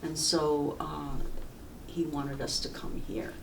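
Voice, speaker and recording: An oral history interview records a woman in her seventies, a native Sayep village dialect speaker from rural southern China, reflecting on her life in halting fashion. Her voice sits low and gravelly with a flat delivery; the distant mic picks up faint background noise.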